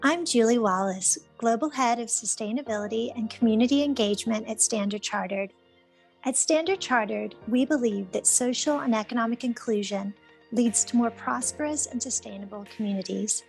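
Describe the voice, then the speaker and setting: Female executive, scripted address, gravelly fry, faint music underneath. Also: a little high, moderate pace. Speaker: corporate sustainability executive.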